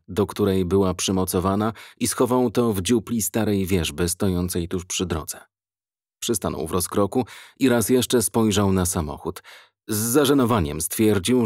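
A man reading an audiobook in measured, even scripted narration. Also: fairly low pitch, no echo, studio quality.

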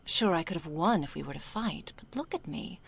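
A woman voicing a nervous, sheepish young succubus in a soft, hesitant ASMR role-play. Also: on the low side, animated, fairly quick, heavily acted. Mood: sheepish, affectionate. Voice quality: soft, husky, breathy. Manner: hesitant, flustered, succubus-like soft intimate delivery. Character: nervous young female succubus, reluctant, sheepish, affectionate daughter.

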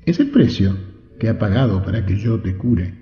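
A man voicing a mocking old witch who speaks in a low, quiet way in a storybook reading. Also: sing-song, normal speed. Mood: sly. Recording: echoey, reverberant, slightly dull.

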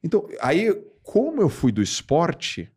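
A man from Brazil in his forties, a podcast guest telling stories in casual slangy chat, with big jumps in pitch for emphasis. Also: wildly swooping pitch, unhurried, a little mellow, breathy edge.

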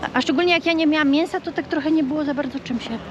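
A woman's voice: high voice, rapid-fire, highs cut off, a crowd in the background. A woman food vlogger chatting casually and animatedly, laughing often, while reviewing a meal. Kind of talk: casual chat.

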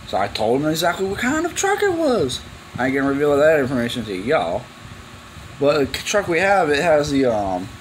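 A man's voice: mid-range voice, a bit bright, a little hiss or hum, rough recording. A young man telling a story to camera in a casual, rambling, slangy way, acting out the exchanges as he goes. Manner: slangy, informal, acts out quoted exchanges. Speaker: vlogger. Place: cluttered garage, indoors.

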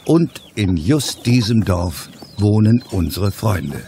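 A man narrating a comic audio play as a storyteller, in a measured, scripted manner. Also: lowish voice, animated, vocal fry, warm tone, slight background noise, heavily acted.

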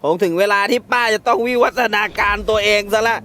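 A man giving excitable, laughter-filled commentary while playing a mobile game, taunting his opponents as he goes. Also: high-pitched, fast talker, a little hiss or hum. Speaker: gaming channel host.

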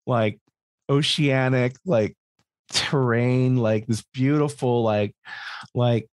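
A man speaks at a middling pitch in a dry, close podcast recording. He chats casually and comically as a co-host. His storytelling is animated and peppered with swearing. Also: takes it slowly, no echo. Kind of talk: casual comedic chat.

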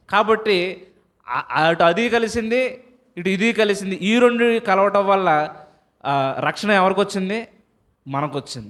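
Brief: male preacher, high voice, call-and-answer sermon style, slow scripture readings. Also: fairly bright tone. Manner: asks the congregation questions and answers them himself; reads scripture slowly and deliberately.

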